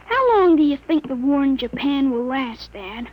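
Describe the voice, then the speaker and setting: Thirteen-year-old boy, high pitch, polite, evasive, preoccupied, vintage radio drama. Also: big pitch swings, normal speed, narrow, tinny audio. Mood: quietly knowing. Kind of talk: 1950s radio drama acting. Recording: vintage 1950s radio recording.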